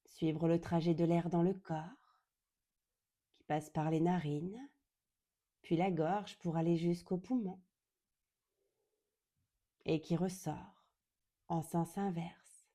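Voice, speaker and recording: A yoga nidra guide leads a guided meditation, speaking in a fairly low voice that is very warm and relaxed. She moves slowly and deliberately, leaving long pauses between short phrases, and stays calm, gentle and soothing the whole way through.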